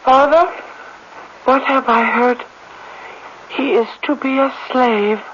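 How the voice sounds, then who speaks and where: An actress playing a gentle, devoted young tribal woman in a radio drama, earnest and simply formal in her phrasing. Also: sits high, fairly even intonation, slow pace. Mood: dismayed. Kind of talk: 1970s radio drama acting. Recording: muffled, hissy old radio recording.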